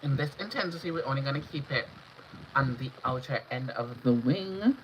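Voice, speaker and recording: A woman from Antigua and Barbuda, hoarse from a cold, talking viewers through a makeup look on a livestream. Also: a bass voice, lively intonation, moderate pace. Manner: chatty, instructional, greets viewers by name. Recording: dull lo-fi stream audio with clear background noise.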